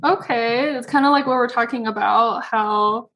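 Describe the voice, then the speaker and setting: A woman's voice: a little high, normal speed, a bit bright. A woman hosting a podcast from a friend's plant-filled home, chatting casually and laughing often. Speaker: podcast host. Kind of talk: casual chat. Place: guest's home full of plants.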